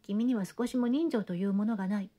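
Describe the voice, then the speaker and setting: A woman's voice: mid-range voice, a little fast, warm tone, close to an everyday voice. A woman reading an audiobook, voicing a scornful young man who lectures and mocks. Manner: mocking, lecturing. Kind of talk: audiobook reading of a classic novel.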